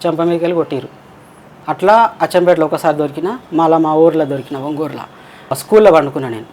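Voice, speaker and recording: In a casual interview, a transgender guest with a Telangana Telugu accent talks fast in a medium-pitched, slightly mellow voice, spinning long rambling personal stories and performing quoted voices. A little hiss or hum is present.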